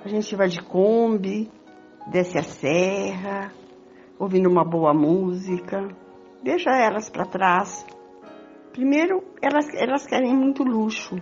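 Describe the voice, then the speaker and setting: Romantic, jealous Brazilian sweetheart, acted by an older woman, unhurried, radio drama, faint music. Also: medium pitch, darkish tone, close to an everyday voice. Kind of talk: amateur radio drama acting. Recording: dull lo-fi audio with music.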